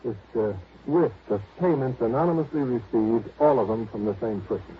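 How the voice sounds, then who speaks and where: A man's voice: medium pitch, moderate pace, lightly acted. An actor playing an earnest, fussy male insurance manager in a 1950s radio drama, businesslike and emphatic. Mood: explaining. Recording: dull vintage radio recording, faint noise.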